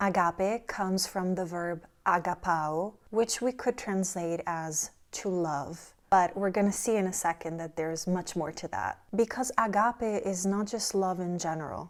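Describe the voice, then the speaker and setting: With an Italian accent, a woman speaks at a fairly slow pace with hardly any pauses. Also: medium pitch for a woman, ordinary pitch variation, very clean recording, silent background. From Italy. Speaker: language educator. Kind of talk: educational monologue.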